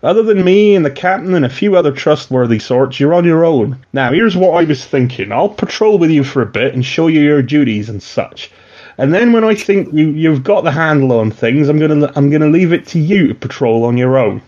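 A man's voice: a little high, expressive, brisk, a little mellow, close to an everyday voice. A man doing a conspiratorial West Country watchman. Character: male watchman contact in a tavern, conspiratorial. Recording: dull lo-fi sound.

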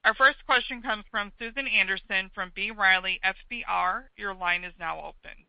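A woman's voice: medium pitch, moderate pace, gravelly, no echo, lo-fi sound. A woman working as a conference call operator, giving scripted instructions in a formal, procedural way.

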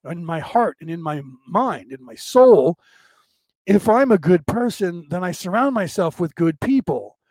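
A middle-aged man with a rough, odd-sounding voice, hosting a rambling, casual spiritual talk for a live audience. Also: high-pitched, darkish tone, dry recording. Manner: rambling, many restarts and fillers. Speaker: livestream host.

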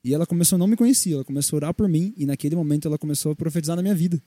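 Fast-talking young Brazilian man, very mellow tone. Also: on the high side, no echo. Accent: Brazilian Portuguese. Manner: animated storyteller, acts out quoted dialogue. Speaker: podcast co-host. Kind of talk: casual Christian podcast chat, storytelling.

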